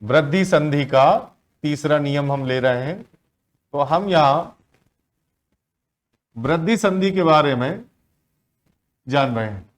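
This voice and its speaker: A man with a slightly high voice teaches a grammar lesson for exam prep. He keeps putting a question to his students and answering it himself, stretching out the key words as he goes. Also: expressive. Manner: asks the class questions and answers them himself, drawn-out words.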